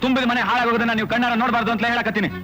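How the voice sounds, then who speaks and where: An actor playing a bitter, grasping village son, speaking harshly and with scorn. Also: male voice, very high-pitched, flat delivery, very fast, bright, forceful tone. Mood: scornful. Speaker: greedy son demanding his share. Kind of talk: film drama acting. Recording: film soundtrack with music behind.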